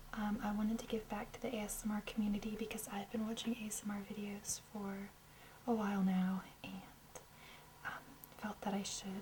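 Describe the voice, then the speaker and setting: A woman speaks at a medium pitch and a fairly quick pace, her intonation monotone and flat, with long, frequent pauses and noticeable background noise. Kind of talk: ASMR video, casual talk to camera. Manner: nervous, soft-spoken.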